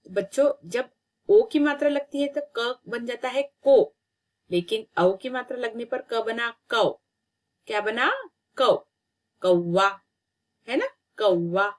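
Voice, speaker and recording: Slow, patient woman teaching children. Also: on the high side. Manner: slow, drawn-out syllables, patient repetition. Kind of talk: children's reading lesson.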